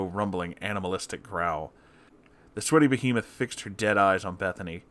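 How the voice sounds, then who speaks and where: A man's voice: lowish voice, fairly bright tone. A man reading comic horror fiction aloud as a narrator, in a scripted, dramatic storytelling style.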